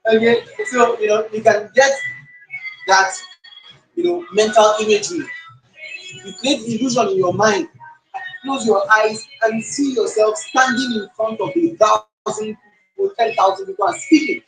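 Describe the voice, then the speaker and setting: A man's voice: sits high, expressive, normal speed, creaky, fairly bright tone. A man coaching a live public speaking workshop, repeating phrases and hyping up his audience. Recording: echoey room with faint music.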